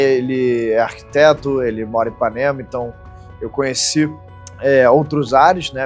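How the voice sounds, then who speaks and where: A man from Rio de Janeiro, a business partner calmly reflecting on his path into entrepreneurship. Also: medium pitch. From Brazil, Rio de Janeiro. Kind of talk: documentary-style personal storytelling.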